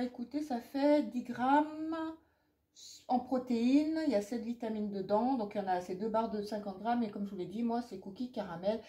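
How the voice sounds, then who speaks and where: Middle-aged French woman, chatty rambling vlogger, slightly high voice, recurring cough. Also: a little mellow. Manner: chatty and rambling, many fillers and asides. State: persistent cough. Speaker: haul vlogger. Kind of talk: casual haul chat to camera.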